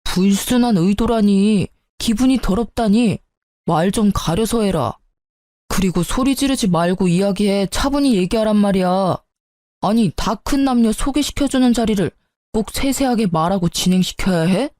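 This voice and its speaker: Woman playing a sulky husband, whiny, self-justifying, mellow, dry. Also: mid-range voice, moderate pace, no room sound, natural voice. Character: young husband, tactless and sulky. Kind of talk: story radio drama reading.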